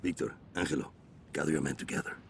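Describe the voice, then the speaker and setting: An actor playing a commanding, hot-tempered Hispanic cartel boss in a video game, with a Spanish accent and Spanish mixed in. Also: male voice, very deep voice, fast, noisy background. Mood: cold, commanding.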